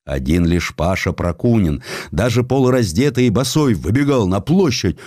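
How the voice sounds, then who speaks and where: A man narrating a historical story in a theatrical, expressive style with dramatic pauses. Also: lowish voice, no echo, studio quality. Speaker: audiobook narrator.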